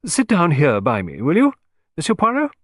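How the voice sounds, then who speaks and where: A man's voice: a little high, huge pitch swings, normal speed, fairly bright tone, no echo, voice pushed up, heavily acted. A man voicing an imperious, outspoken older aristocratic lady who talks bluntly and emphatically. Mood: emphatic.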